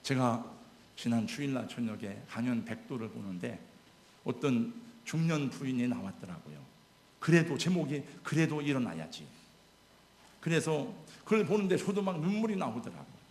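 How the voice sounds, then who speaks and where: Gravelly-voiced pastor preaching in an echoing church. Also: male voice, medium pitch, animated, moderate pace, a little mellow. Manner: emotional, exhorting. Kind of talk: sermon. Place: church sanctuary. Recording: echoey church hall.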